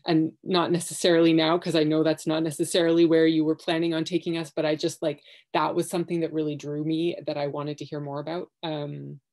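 A woman in her thirties sharing her thoughts on a video call from home, halting and searching for words, with many fillers and restarts. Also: low voice, little pitch movement, darkish tone. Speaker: workshop participant. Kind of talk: hesitant reflective sharing. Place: home living room.

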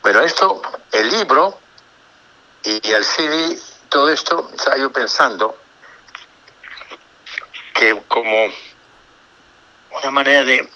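A man who is a priest, giving an unhurried, reflective religious talk on the radio, reading psalms aloud and commenting on them, often hesitating and repeating words. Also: medium pitch, sharp tone, low-quality recording. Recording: radio broadcast.

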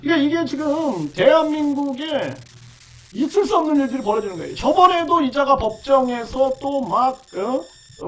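High-pitched indignant man, distant mic. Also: a bit bright. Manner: indignant, filler-heavy with repeated "ne" and "ye". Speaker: online channel host. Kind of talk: monologue commentary.

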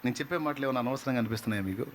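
A man preaching a sermon, fervent and emphatic, often rising to loud high bursts and sometimes dropping to a soft prayerful tone. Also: very fast, slight background noise. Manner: drops to soft, intimate prayerful tone.

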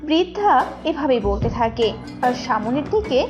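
A woman with a high voice narrates a scripted cartoon story. The recording is dull and lo-fi, with loud music behind her. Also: big pitch swings, a little slow.

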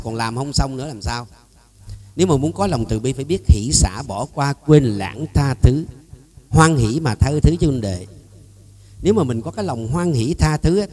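A Buddhist monk, a man, preaches with strong emphasis. His delivery jumps between loud, pressing lines and quieter asides, and he often puts rhetorical questions to his listeners. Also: medium pitch. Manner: swings widely between loud and soft. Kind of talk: Buddhist dharma talk.

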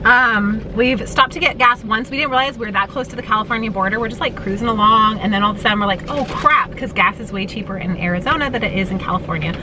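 A woman's voice: medium pitch, fast, hardly any pauses. Chatty woman vlogging from a car. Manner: chatty and upbeat, lots of fillers. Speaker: family vlogger. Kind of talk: casual road trip vlog. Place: inside a moving car. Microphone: handheld camera at arm's length. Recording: loud car noise. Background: road and engine noise.

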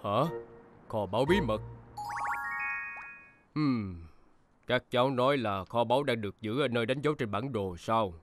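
A man voicing a steady, concerned grown-up uncle vehicle in a dubbed children's cartoon, with music behind. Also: mid-range voice, moderate pace, pauses often, lightly acted.

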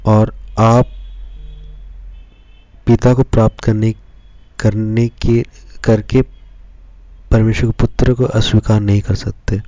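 Deep-toned pastor with a dark, dull sound. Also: male voice, level tone, no room sound. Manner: slow, measured reading in short phrases. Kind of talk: devotional Bible reading and sermon.

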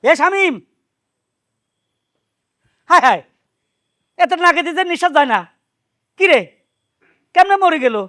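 Comedy-drama casting: a high-voiced, lamenting village husband, dry close sound. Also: male voice, animated, measured pace, long pauses, dry recording, heavily acted. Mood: grieving. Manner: loud lamenting wails. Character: simple-minded village husband, wailing for his friend.

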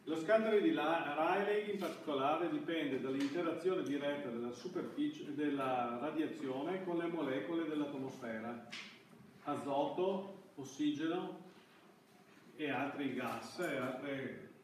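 A middle-aged university lecturer with a fairly high voice teaches a class indoors, stumbling through his words and restarting phrases as he hunts for the right term. A far-off camera mic captures him, so the classroom sounds very echoey with a faint background hiss.

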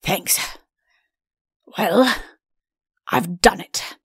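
A woman's voice: mid-range voice, drawn-out words, husky, no room sound, studio quality, exaggerated voice. A woman voicing a sly, self-satisfied, mischievous king in a storybook. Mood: smug, mock-pitying.

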